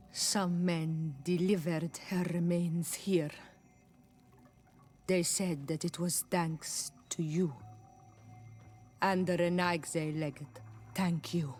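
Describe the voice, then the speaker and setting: An actress playing a grave, careful tribal woman, a queen's daughter, in a video game, speaking solemnly and deliberately. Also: sits low, a little mellow. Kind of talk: video game cutscene acting. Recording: background music under the voice.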